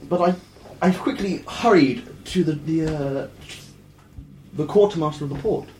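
Man, boastful tall-tale teller, rambling, halting, high voice, echoey room, faint noise. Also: darkish tone. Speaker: player telling a tall tale in character. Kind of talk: improvised in-character storytelling.

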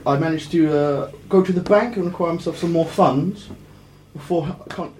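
A man improvising a boastful tall tale in character, rambling and halting as he goes. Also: a little high, darkish tone. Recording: echoey room with faint noise.

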